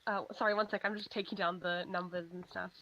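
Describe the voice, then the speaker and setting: A woman's voice: lowish voice, steady tone, quick pace, lo-fi sound, noisy background. A woman taking part as a player in an online tabletop game, speaking in a friendly, careful, chatty way.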